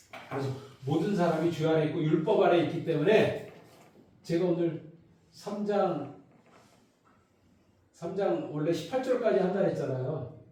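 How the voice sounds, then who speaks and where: Amid noticeable background noise and audible room echo, a man speaks at a fairly slow pace in a high voice with ordinary pitch variation and long, frequent pauses. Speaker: Bible teacher. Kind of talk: Bible lecture. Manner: conversational, asks the class questions; speeding up.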